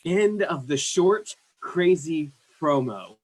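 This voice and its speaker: A man narrating scripted stage directions in a husky voice. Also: fairly high pitch, expressive, slow pace.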